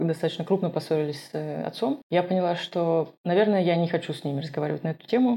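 Speaking at a very fast pace, a woman uses a fairly low pitch with a dark, mellow tone and ordinary pitch variation. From Russia. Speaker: physicist and activist community founder. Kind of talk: casual interview.

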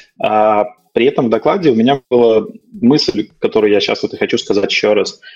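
A man talking at a fairly quick pace, with very even loudness. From Belarus, Minsk. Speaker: Android team lead. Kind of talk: casual chat.

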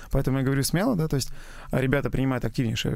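This man's voice sits at a medium pitch with ordinary pitch variation. Vocal fry runs through his speech. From small Russian town. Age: 20s. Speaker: chef. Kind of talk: casual interview.

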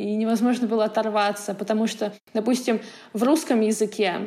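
A woman's fairly high voice at a moderate pace, an unremarkable speaking voice. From Komi Republic, Russia. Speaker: interpreter. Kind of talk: casual chat.

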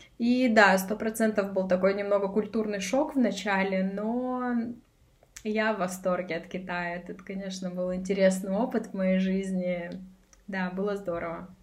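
Here a woman with a medium pitch talks at a moderate pace with fairly even intonation, with audible room echo. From Russia, Novosibirsk. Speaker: purchasing specialist for goods from China. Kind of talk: casual interview.

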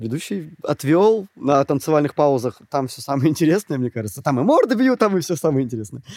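Fairly high-pitched and lively in intonation, a man talks at a fairly quick pace with hardly any pauses. The sound is dry and close with no echo, on a very clean recording with a silent background. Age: 30s. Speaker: children's party entertainer and musician. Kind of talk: casual interview chat. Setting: studio. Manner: animated storytelling.

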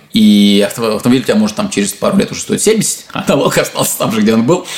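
Over noticeable background noise, a man speaks at a fairly quick pace with very wide pitch swings. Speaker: startup founder. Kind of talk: interview. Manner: halting, with fillers and repetitions.

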